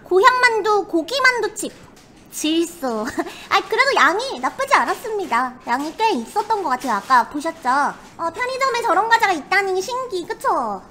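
Female livestream host, girlish and very high, bright, polite and perky snack reviewer. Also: sing-song, normal speed, slight background noise. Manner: polite, perky, refers to herself by name. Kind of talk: casual livestream commentary.

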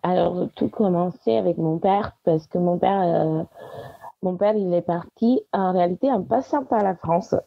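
Low husky woman with gravelly edge. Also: normal speed, no echo, dull audio. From Italy. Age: 30s. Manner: warm, laughs often, many hesitations. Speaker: guest. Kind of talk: casual interview talk.

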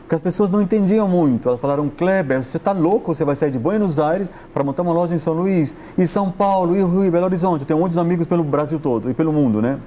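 A man's voice: fairly high pitch, warm tone, slight background noise. A man in his forties, a fashion stylist guest, chatting on a TV studio set with a lapel mic, talking with his hands and tagging his sentences with questions. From Brazil. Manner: chatty, gesturing, frequent tag questions. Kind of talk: casual interview chat. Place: TV studio set, seated on sofa.

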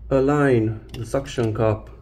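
A man presenting a hands-on repair tutorial, explaining step by step in short, halting phrases. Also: mid-range voice, fairly even intonation, background noise. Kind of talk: hands-on instructional demonstration.

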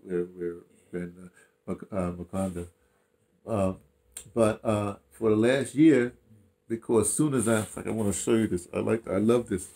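An older man with an American accent chats casually, telling stories in an animated, rambling way with repeated phrases and slangy asides. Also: on the low side, normal speed. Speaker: interviewee, audio dramatist. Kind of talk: casual chat, storytelling. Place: small room indoors, seated.

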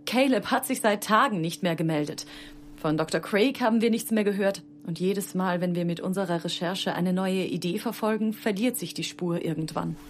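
A woman's voice: fairly low pitch, normal speed, a little hiss or hum, lightly acted. An actress playing a grieving, exhausted mother in an audio drama, subdued and emotional. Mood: weary, despairing. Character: grieving, exhausted mother of a missing son, Sun Jin. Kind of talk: audio drama acting with first-person narration.

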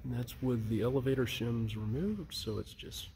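A man flying indoor model planes in a large gym, giving low-key, chatty running remarks into a handheld camera. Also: moderate pace, creaky, darkish tone, slight background noise. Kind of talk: casual commentary while flying.

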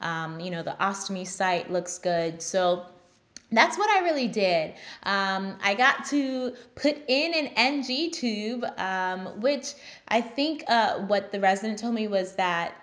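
A young woman from Trinidad with a Trinidadian accent, telling a story straight to camera in a small room, animated and full of ums and likes. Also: mid-range voice, a little slow. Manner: animated, gestures a lot, many ums and likes. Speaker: physician assistant vlogger. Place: small indoor room, plain grey backdrop.

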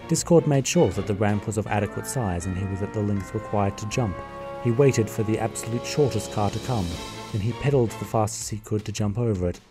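A man's voice: on the low side, a little fast, over music. A man narrating a fan radio play in a wry, jokey way.

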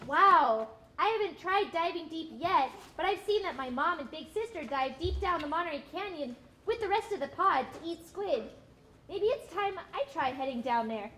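Woman as eager young whale, wide-eyed, very high voice. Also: expressive, normal speed, fairly bright tone, slight background noise. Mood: curious. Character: young female sperm whale, curious and eager. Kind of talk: live puppet show.

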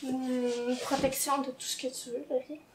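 High-pitched québécois woman hosting her knitting podcast, chatty, laughs a lot, loses her thread. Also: level tone, normal speed, background noise. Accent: Québécois French. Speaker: knitting podcast host and pattern designer. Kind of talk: casual chat.

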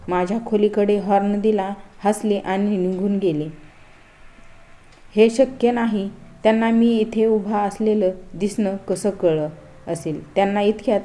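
Mellow-voiced woman telling a story. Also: mid-range voice. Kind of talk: first-person story narration.

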